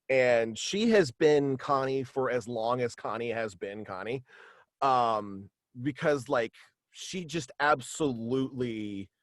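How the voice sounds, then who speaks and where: A man in his thirties casually explaining his creative work as an interview guest, in a halting, meandering way. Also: medium pitch, fairly bright tone, dry recording, clean studio sound. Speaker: guest, voice actor and writer. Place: small indoor home setup, video call.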